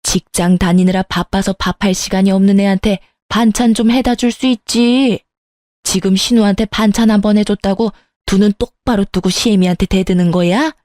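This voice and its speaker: Storybook mother-in-law, bossy and scolding, put on by a woman; low mellow tone, dry. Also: steady tone, dry recording, lightly acted. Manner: curt, scolding, drawn-out commands.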